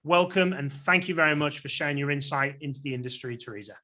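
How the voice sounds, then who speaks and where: A man's voice: fairly high pitch, fast, pushed and bright. A man hosting a podcast, asking interview questions in a polite, upbeat way. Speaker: podcast host.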